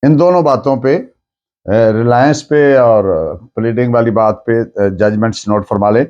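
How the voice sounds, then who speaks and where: A man with a Pakistani accent lecturing on law in a didactic, deliberate way, restating points in plain words and mixing in English terms. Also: medium pitch, muffled recording.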